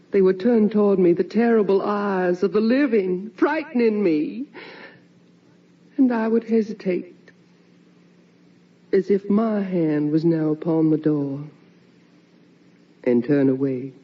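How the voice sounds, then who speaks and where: A slow, mournful ghost wife. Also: female voice, fairly low pitch. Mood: sorrowful, yearning. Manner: slow, hushed, theatrical delivery. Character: mournful ghost of a wife and mother, longing and tender. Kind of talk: radio drama monologue. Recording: muffled old radio recording, distant mic.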